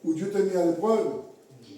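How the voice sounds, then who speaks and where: A man preaching a sermon in a halting way, repeating words and acting out little everyday scenes. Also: sits high, mellow. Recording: echoey hall from far off.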